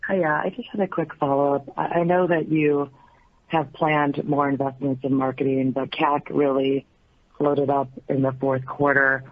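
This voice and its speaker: A man's voice: medium pitch, level tone, normal speed, no echo. A man phoning in as a financial analyst to put a question on an earnings call. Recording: tinny, dry telephone line.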